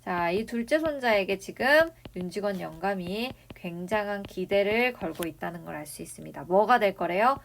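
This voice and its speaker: A woman's voice: medium pitch, lively intonation, moderate pace, creaky, few pauses, slight background noise. A woman teaching a literature lesson, explaining a novel and asking rhetorical questions. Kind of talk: classroom lecture on a novel.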